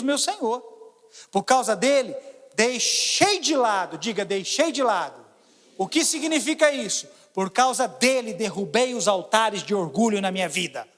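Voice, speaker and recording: A man with a Brazilian Portuguese accent preaching a sermon as pastor, swinging between loud exclamations and quiet asides. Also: extremely high pitch, in a large hall.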